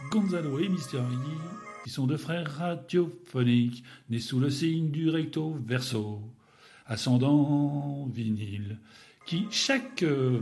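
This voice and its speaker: A man's voice: mid-range voice, dark tone. Spanish-accented guy doing a radio music bit, playful and rambly, lots of ums, faint music under. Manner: rambling, playful, hesitant with many fillers. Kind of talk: casual radio music chronicle.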